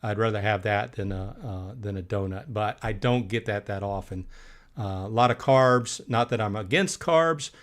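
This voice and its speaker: On a relaxed live stream, a middle-aged male host reads out the chat, pausing often, using plenty of fillers, and occasionally clearing his throat. He speaks with a fairly low pitch.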